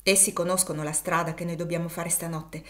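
A woman's voice: on the low side, level tone, brisk, a bit bright, natural voice. A woman voicing a shrewd, brash man who guides fugitives, telling his account with a wry manner. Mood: tense. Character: brash shrewd male backwoods Quaker guide.

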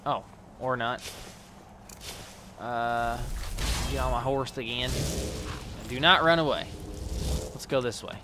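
A man's voice: mid-range voice, noisy background. A man giving loose, profane running commentary while playing a video game, talking back at the game and its characters. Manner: profane, rambling, talks to the game. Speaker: let's play host. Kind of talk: casual gameplay commentary.

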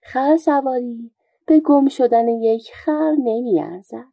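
A woman's voice: a little high, vocal fry, warm tone, soft background music, low-quality recording. A woman voicing a sly old male folk joker with a plaintive, mock-innocent manner. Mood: wry.

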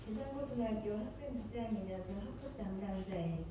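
A woman's voice: medium pitch, moderate pace, noisy background. A woman teacher answering a quiz question in a training session, chatty and self-deprecating. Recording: echoey room from far off.

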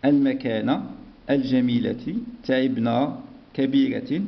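A man's voice: medium pitch, unhurried, gravelly. A man teaching a primary school lesson, patiently dictating and repeating words. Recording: dull lo-fi recording.

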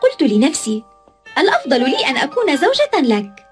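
An actress playing a proud, dramatic young captive princess in a cartoon dub, speaking emphatically. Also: female voice, high-pitched, wildly swooping pitch, fast, music in the background. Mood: feigned sweetness. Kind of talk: dubbed cartoon acting.

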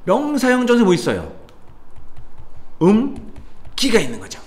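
Lively male grammar tutor. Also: high-pitched, measured pace. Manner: lively, chatty teacher addressing students, sudden mutters and exclamations. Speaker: Korean language tutor. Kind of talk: classroom grammar lecture. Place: cram school classroom.

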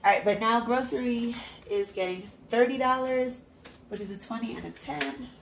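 Here a woman with a blocked, stuffy nose counts cash into envelopes at her home table, casually narrating in a cheerful, chatty manner and cheering herself on as a budgeting vlogger. Her voice sits on the high side with vocal fry and a moderate pace. The reverberant recording carries slight background noise, captured by an overhead hands-only camera with the mic out of frame.

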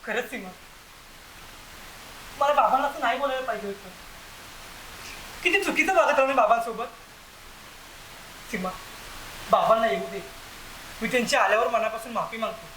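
A man's voice: very high voice, moderate pace, long pauses, bright, forceful tone, reverberant, slight background noise, poor audio. A man acting a remorseful young son who pleads and calls out in an amateur short film.

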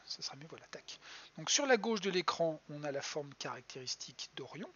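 A planetarium educator, a man, explains stars in a chatty, halting way, full of fillers and restarts. His voice sits fairly high and sounds husky, and the muffled lo-fi audio suggests a home computer mic on a live stream. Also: very animated, pushed and bright. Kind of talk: live-streamed astronomy lesson.

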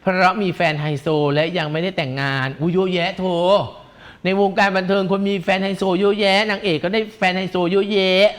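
Man, gossip host, camp teasing delivery, giggly, fairly high voice. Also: brisk, fairly bright tone. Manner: teasing, giggly, camp with feminine polite particles. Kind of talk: celebrity gossip chat.

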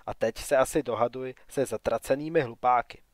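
A man voicing a sardonic young male wanderer who grumbles and mocks, read softly in an audiobook. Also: medium pitch, dry recording, studio quality, lightly acted.

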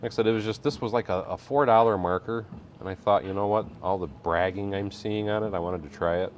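A man's voice: lowish voice, steady tone, fast, a little hiss or hum. A middle-aged man hosting a live building stream, chatting casually, reading viewer comments and laughing easily. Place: indoor workshop room.

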